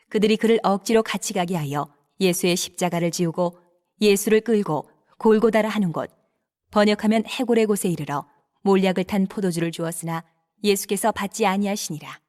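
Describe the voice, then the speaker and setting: A woman narrates a dramatized scripture text. Her pitch sits in the middle for a female voice. She reads in a measured way and enunciates each phrase. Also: a little mellow.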